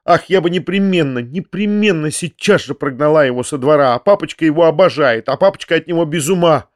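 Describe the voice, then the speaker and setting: A man voicing an impassioned, defiant young girl in a storybook reading, loud and vehement. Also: on the high side, lively intonation, dry recording, studio quality, lightly acted. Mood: angry, scornful. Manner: loud, vehement, rapid insults.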